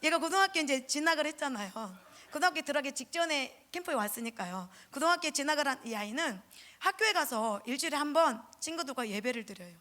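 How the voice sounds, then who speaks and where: A middle-aged woman, a pastor's wife, giving a lively testimony at a church revival and acting out the voices of the people she quotes. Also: sits high, quick pace.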